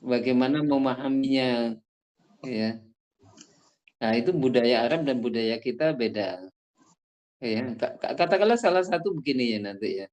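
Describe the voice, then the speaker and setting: A man adding explanations in a casual religious study talk, speaking in a measured, explanatory way. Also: medium pitch, lively intonation, a little mellow, poor audio.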